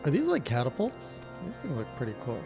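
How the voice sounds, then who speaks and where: A man whose first language is French comments on his game in a loose, thinking-aloud way, often trailing off mid-thought. His voice sits at an everyday middle pitch, easygoing and self-deprecating. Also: wildly swooping pitch, a little fast, vocal fry, over music. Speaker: streamer. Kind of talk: casual gameplay commentary.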